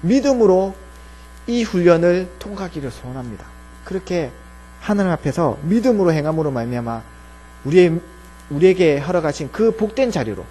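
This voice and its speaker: A man preaching a Sunday sermon from a church pulpit, his voice a little high with a husky edge. He speaks earnestly and often sinks to a soft, low tone as he pleads. A faint electrical hum sits under the recording. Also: poor audio. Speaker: pastor. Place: church sanctuary.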